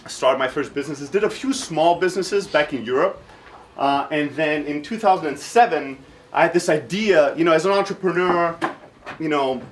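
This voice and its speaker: A man in his thirties from Greece, raised in southern Germany, giving an informal workshop talk in a blunt, irreverent, self-deprecating manner while jet-lagged. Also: on the high side. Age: 30s. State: jet-lagged, short of sleep.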